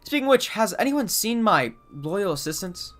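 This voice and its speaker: A man voicing a pompous gentleman inspector from a video game, reading lines in a grand, theatrical way. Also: high-pitched, very animated, moderate pace, soft background music, pitched above the performer's own voice. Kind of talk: game dialogue read aloud.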